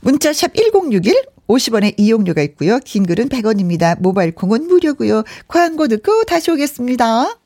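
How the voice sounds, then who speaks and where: A woman's voice: on the high side, sing-song, a little fast, few pauses, mellow. A woman hosting a radio show, talking in a chatty, conversational way and reading out listener messages. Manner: chatty, conversational, often breaks into giggles. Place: radio studio. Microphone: close studio microphone.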